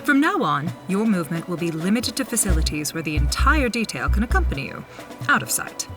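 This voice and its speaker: A woman playing a courteous but controlling government official in an audio drama, with formal, deliberate phrasing. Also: on the low side, sing-song, over music. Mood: commanding.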